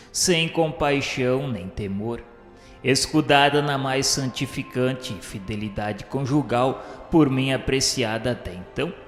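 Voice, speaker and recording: A man's voice: medium pitch, close to an everyday voice. A man playing a tormented, vengeful Jesuit officer of the Inquisition, confessing in solemn, formal, theatrical radio novela narration. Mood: bitter longing. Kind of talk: dramatized first-person radio novela narration. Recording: echoey hall reverb, music behind.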